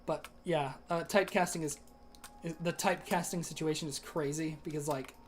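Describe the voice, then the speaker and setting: A man's voice: on the high side, steady tone, normal speed, a little hiss or hum. Rambling young male streamer, dry throat. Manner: rambling, lots of fillers and restarts. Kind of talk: casual gaming stream chat.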